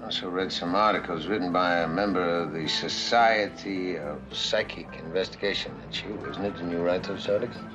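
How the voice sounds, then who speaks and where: A man plays a dogged private eye who keeps pressing his questions in a dry, wry way. His voice sits very low. The sound is dull, like an old TV soundtrack with music behind it. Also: a little fast, hardly any pauses, natural voice. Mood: probing. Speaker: private detective. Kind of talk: 1970s TV drama acting.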